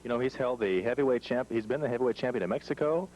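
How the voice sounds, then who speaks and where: A man's voice: mid-range voice, fast talker, a little mellow, rough recording. A man working as a wrestling interviewer in a broadcast interview on an old TV tape. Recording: old TV tape, faint hum.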